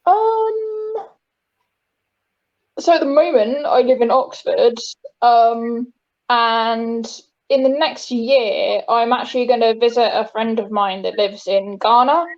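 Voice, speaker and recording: A woman's voice: fairly high pitch, slow pace, lo-fi sound. A young woman speaking as a guest in a casual chat. She is hesitant and fills her talk with ums and likes. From England.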